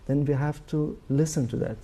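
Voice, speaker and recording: A man from Iran with a Persian accent, a filmmaker answering interview questions in a thoughtful, halting way with many fillers. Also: fairly high pitch, steady tone, dark tone. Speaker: filmmaker guest.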